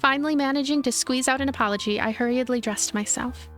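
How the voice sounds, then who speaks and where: Woman, higher voice, let's play host, expressive visual novel narration, music underneath. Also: fast. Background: background music.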